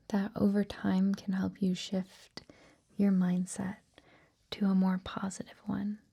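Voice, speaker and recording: Slow, breathy whispering woman. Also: medium pitch. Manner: gentle, slow, hushed, reassuring. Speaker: host of a guided meditation series. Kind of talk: whispered ASMR guided meditation talk.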